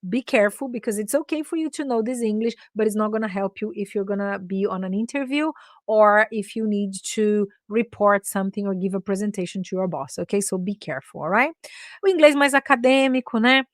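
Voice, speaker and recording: Brazilian woman with an accent as a chatty bilingual English teacher, mid-pitched voice, dry close sound. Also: moderate pace, no echo. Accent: Brazilian Portuguese. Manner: mixes Portuguese and English, frequent "né?" and "ok?" tags. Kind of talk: casual online English lesson.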